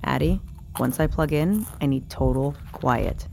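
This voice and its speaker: A woman acting in an audio drama, playing a brisk, wry operator who voices an AI companion in a naturalistic, casual way. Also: rumbling low, gravelly, background noise, heavily acted. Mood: brisk, instructing. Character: brisk female remote operator voicing a doting AI companion.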